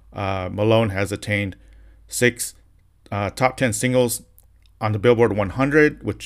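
In a very clean recording with a silent background, a man with a fairly low pitch uses an ordinary speaking voice with fairly even intonation. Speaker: podcast host. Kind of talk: casual interview chat.

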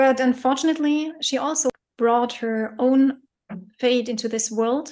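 Speaking with a German accent, a woman uses a high pitch at a fairly slow pace. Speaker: grief coach. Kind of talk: interview. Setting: remote call.

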